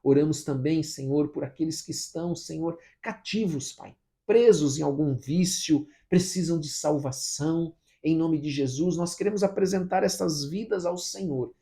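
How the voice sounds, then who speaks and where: Gravelly-voiced man praying fervently. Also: a little high, normal speed, warm tone. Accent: Brazilian Portuguese. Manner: fervent pleading prayer with repeated invocations. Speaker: pastor. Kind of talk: morning prayer and Bible reading.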